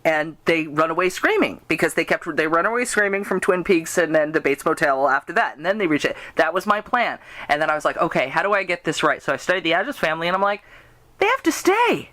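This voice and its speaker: A woman hosting a podcast, chatting casually in a rambling, giggly way that gets animated when she quotes people. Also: on the low side, quick pace, dry recording. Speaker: podcast host interviewing a guest. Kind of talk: casual chat about fan fiction and radio drama.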